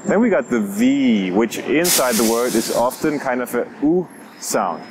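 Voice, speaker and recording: A man in his forties, a native Danish speaker, teaching pronunciation slowly and carefully, recorded outdoors on city streets with a lapel mic. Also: medium pitch, animated, over a noisy crowd. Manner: slow, exaggerated demonstration of sounds. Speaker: language teacher. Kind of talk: pronunciation lesson vlog.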